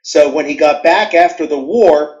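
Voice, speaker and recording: A man's voice: a little high, normal speed, highs cut off. A man from New York with a New York accent, telling stories from his childhood as an interview guest and acting out scenes as he goes. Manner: animated storyteller, acts out scenes. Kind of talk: storytelling interview answers.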